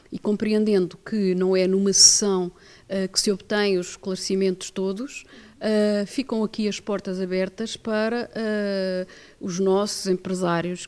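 A middle-aged woman with a European Portuguese accent, giving measured, hesitant formal answers as a mayor in an interview. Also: mid-range voice, darkish tone. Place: indoors, plain-walled room. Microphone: handheld reporter microphone.

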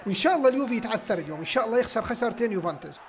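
A young man with an Iraqi Arabic accent, hosting and commentating his own football video game play, often breaking into loud cheers and groans. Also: very high voice, rapid-fire, a little hiss or hum. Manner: excitable, bursts into loud cheering and groans at plays. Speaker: gaming channel host.

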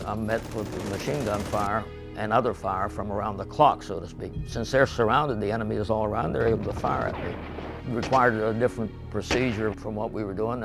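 An older man from western Pennsylvania, seated in a studio, recounting his memories in a measured, halting way with many pauses. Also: fairly low pitch, creaky. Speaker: veteran interviewee. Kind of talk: recorded oral history interview. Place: indoor studio with painted backdrop.

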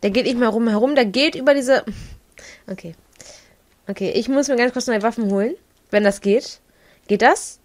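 A woman's voice: on the high side, moderate pace, pauses often. A woman giving casual, chatty video game commentary, giggling often and stumbling over her words. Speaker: let's play gamer. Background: faint game music.

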